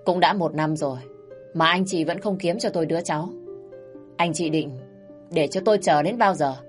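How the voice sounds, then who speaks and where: A woman voicing a shrill nagging mother-in-law. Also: normal speed, close to an everyday voice. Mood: scolding. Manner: shrill, nagging, raising her voice. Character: harsh scolding older mother-in-law. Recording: faint music underneath.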